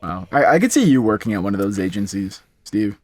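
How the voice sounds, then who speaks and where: A man's voice: fairly low pitch, a little fast. A man co-hosting a podcast, telling casual anecdotes and acting out voices. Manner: animated, acts out voices in anecdotes. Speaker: podcast co-host, coffee shop worker. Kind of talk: casual storytelling chat.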